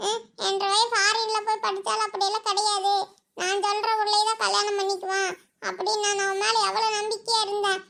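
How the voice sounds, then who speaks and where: A high, bright Kongu village mother. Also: level tone, fairly quick, creaky, slight background noise, full character voice. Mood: hurt. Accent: Kongu Tamil. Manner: tearful, reproachful pleading. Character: anguished village mother, grieving her son.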